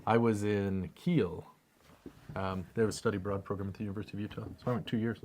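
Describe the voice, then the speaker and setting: A man's voice: lowish voice, steady tone, fast, darkish tone, slight background noise. A man with an American accent in casual, jokey conversation as a co-host reading out viewer questions. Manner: self-deprecating, jokey. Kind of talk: casual chat.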